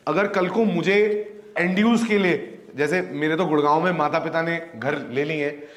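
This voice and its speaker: Man in his thirties, Indian accent, property agent, confident and joking, voice a little high, roomy echo. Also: normal speed. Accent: Indian English. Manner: jokey, mixes Hindi and English, confident sales pitch. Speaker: real estate agent. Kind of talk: casual video talk.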